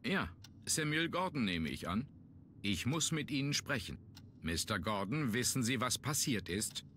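An actor playing a businesslike police inspector in a video game, inquisitive and matter-of-fact. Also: male voice, mid-range voice, sing-song, unhurried, sharp tone, a little hiss or hum. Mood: probing. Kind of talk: German video game voice acting.

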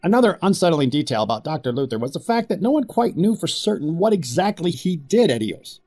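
An actor playing a measured, suspicious and hesitant corporate boss in an audio drama. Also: male voice, a little high, a little mellow. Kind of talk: first-person narration and dramatic dialogue. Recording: roomy echo with music behind.

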